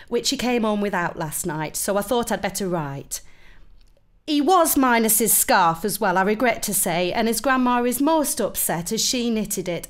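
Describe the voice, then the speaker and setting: A woman's voice: fairly high pitch, close to an everyday voice. A British woman playing a fussy, politely aggrieved mother reading out her letter to school in a comic monologue. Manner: prim, mildly reproachful. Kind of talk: comic dramatic monologue, letter read aloud.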